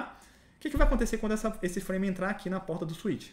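Audible room echo surrounds the voice. Its pitch swings very widely. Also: man. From Minas Gerais, Brazil (Betim); Minas Gerais, Brazil. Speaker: network engineering instructor. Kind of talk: live online lecture. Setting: live stream. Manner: casual, slangy. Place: home room.

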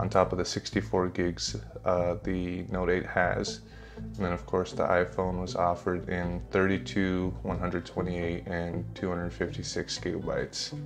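Over background music, a man with a very deep, low pitch speaks very slowly, his voice swinging very widely in pitch. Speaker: tech reviewer. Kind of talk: commentary.

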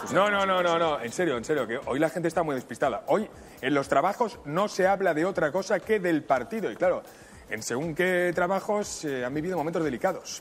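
Over light background noise, a high-pitched man speaks at a fairly quick pace in an animated tone with lively intonation. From Spain. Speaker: TV show football expert; TV show host. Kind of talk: comedic TV banter. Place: studio.

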